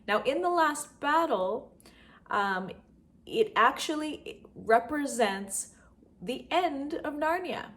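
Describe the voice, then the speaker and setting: A woman's voice: sits high, animated, slow, a bit bright. A middle-aged woman hosting a homeschool vlog, talking casually and directly to her viewers. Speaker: homeschool vlogger and channel host. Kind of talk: casual vlog talk to viewers about books.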